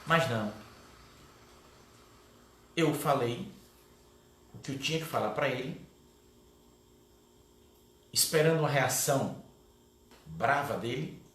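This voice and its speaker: Middle-aged man, mid-pitched voice, animated first-person storyteller, recorded in a large echoey hall. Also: slow pace, long pauses. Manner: animated storyteller, often tags lines with "né?". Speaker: guest speaker at a catechesis. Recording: echoey room with faint background noise.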